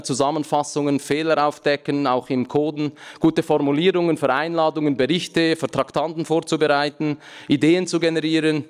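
A man in his thirties, a native Aramaic speaker, giving a relaxed conference talk from a lectern with joking asides and frequent filler sounds. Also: a little high. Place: large conference hall, at a lectern. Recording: reverberant hall.

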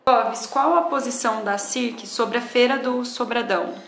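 A woman's voice: fairly high pitch, moderate pace, fairly bright tone. A woman with a Brazilian accent, asking interview questions as a reporter. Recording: echoey, faint background noise.

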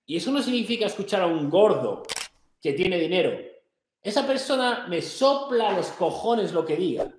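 Brash motivational influencer, somewhat high-pitched, swears constantly and lectures the viewer, recorded in a roomy, echoey office. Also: male voice, animated, moderate pace, a little hiss or hum. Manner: brash, profane and confrontational, gesturing broadly. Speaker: fitness and business influencer. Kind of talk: motivational rant to camera. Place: small home office, indoors. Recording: echoey room.

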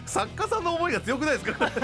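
Lively high-voiced man hosting radio. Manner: lively, jokey, laughs often. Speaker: radio show MC. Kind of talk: playful radio studio chat. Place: radio studio booth. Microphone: boom studio mic.

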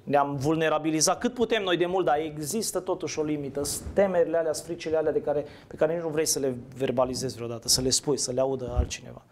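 A man delivers a sermon in a relaxed, conversational way, often putting questions to his listeners and then answering them. His voice sits a little high for a man. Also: few pauses. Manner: asks the audience questions, conversational. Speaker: preacher. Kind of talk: interactive sermon.

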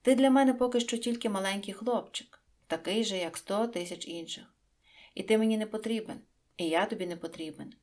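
A woman voicing a wise, patient fox in an audiobook, explaining in a calm, knowing tone. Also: medium pitch, natural voice. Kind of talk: audiobook reading.

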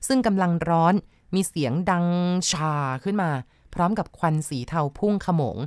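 A woman's voice: lowish voice, a little mellow, no echo, clean studio sound. A woman narrating a ghost story in a dramatic, vivid telling.

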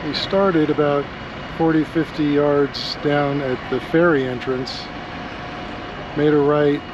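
A middle-aged man vlogging a casual walking tour, talking in a relaxed, chatty way with many ums, filmed on a camera held at arm's length in a sunny harbor area. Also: fairly high pitch, slow pace, dull audio. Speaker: travel vlogger. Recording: loud outdoor street noise.

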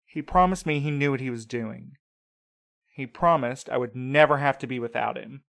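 A man's voice: mid-range voice, unhurried, vocal fry, pauses often, a bit bright, no room sound, clean studio sound. A man playing a grieving young courier who is bitter and accusing, with clipped lines.

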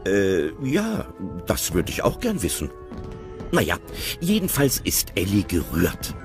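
Male storyteller, low-ish voice, very animated, playful asides, clear music behind. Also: a little slow. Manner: chatty, playfully commenting. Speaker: narrator. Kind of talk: scripted audio drama narration.

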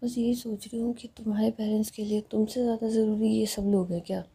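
A wry, shy young woman in love, voiced by a woman narrator. Her voice is husky and mellow and stays low and half whispered. She sounds like a figure in a homemade audio love story. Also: little pitch movement, fast talker. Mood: tender.

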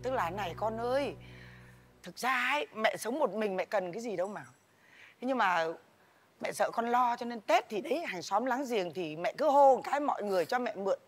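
A woman playing a tender mother who talks haltingly and from the heart in a stage comedy sketch. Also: on the high side, animated, faint music behind. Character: poor, tender mother hiding her hardship.

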